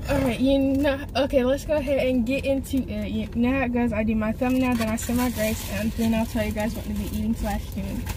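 A woman talks at a fairly quick pace with hardly any pauses. There is noticeable background noise, and the sound is dry with no echo. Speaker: daughter vlogger. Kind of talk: casual vlog intro. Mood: playfully annoyed at interruptions. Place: car. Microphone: phone near.

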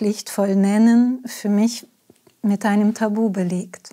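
A woman's fairly high voice with a dark, mellow tone, monotone, flat intonation, and a very slow pace over a quiet background. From former Soviet Union (Russia). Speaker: spiritual teacher and author; spiritual teacher. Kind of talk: interview. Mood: calm, reflective. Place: studio. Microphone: lapel.

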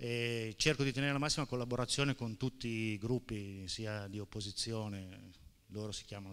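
A man's voice, fairly low in pitch, moves at a moderate pace with ordinary pitch variation. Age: 40s. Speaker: local district councillor. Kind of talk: public presentation with slides; public meeting report. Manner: halting. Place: hall.

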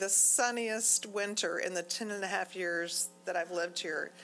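Faint music plays in the background as someone talks at a moderate pace in an American accent. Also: woman. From Texas, Fort Worth. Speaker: garden club member. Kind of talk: event announcements. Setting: stage with audience.

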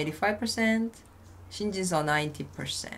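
A woman with a Korean accent speaks at a very slow pace. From South Korea. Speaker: Go streamer and commentator. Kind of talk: live game commentary. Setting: live stream. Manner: animated. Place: home room. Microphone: webcam.

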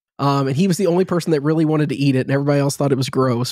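A man with an American accent at a very fast pace, fairly high in pitch with ordinary pitch variation. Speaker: podcast co-host. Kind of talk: casual chat.

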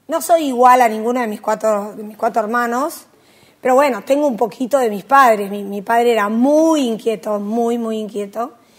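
The speaker goes at a moderate pace with ordinary pitch variation. Loudness swings a lot against a quiet background. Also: woman, fairly high pitch for a woman. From Buenos Aires, Argentina (Belgrano); Buenos Aires. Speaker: education nonprofit founder; interview guest. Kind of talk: interview. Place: studio. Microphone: lapel.

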